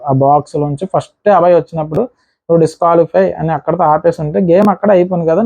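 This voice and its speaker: A man recapping a reality show episode in a casual, rapid way, acting out what the contestants said. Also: fairly high pitch, dark tone, no room sound, muffled recording.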